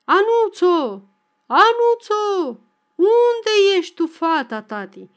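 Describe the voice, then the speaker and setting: A woman's voice: very high-pitched, big pitch swings, pitched above the performer's own voice. A woman voicing a drunk, furious middle-aged peasant father who bellows threats. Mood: bellowing.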